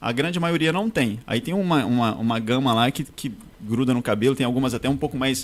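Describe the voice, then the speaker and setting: A man speaks with a medium pitch. He moves at a fairly quick pace, and his pitch variation is ordinary. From Espírito Santo, Brazil. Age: 40s. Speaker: businessman and stingless bee keeper. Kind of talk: interview. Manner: soft-spoken.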